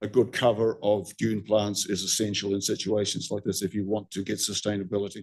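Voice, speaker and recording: A man with a New Zealand accent speaks at a moderate pace in a fairly low pitch. The background is quiet. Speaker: submitter at a consent hearing. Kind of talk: formal submission at a hearing.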